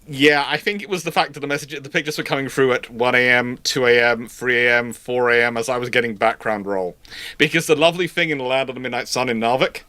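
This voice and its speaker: A man's voice: medium pitch, brisk, sharp tone, no room sound. A man hosting a casual live question-and-answer chat. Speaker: host.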